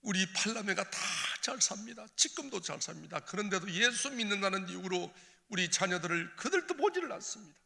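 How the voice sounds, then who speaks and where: A man giving an impassioned, tearful testimony as a church elder, swinging between hushed and crying out. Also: sits high, expressive, a little fast, creaky, few pauses. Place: church sanctuary. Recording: reverberant church hall.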